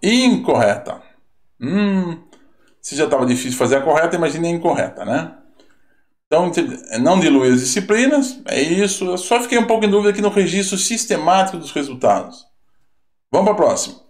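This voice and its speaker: A man's voice: a little high, lively intonation, a little fast, a little mellow. A man teaching an online lesson that reviews exam answers, talking casually and tagging sentences with little questions, with a Brazilian Portuguese accent. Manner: conversational, asks rhetorical questions, tag words. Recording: roomy echo.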